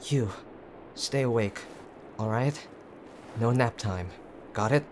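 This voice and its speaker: A man playing a gruff, teasing tsundere boyfriend who is frightened and tender underneath, in an intimate audio drama with brusque, halting urgency. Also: medium pitch, close to an everyday voice. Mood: insistent. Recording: clear background ambient noise.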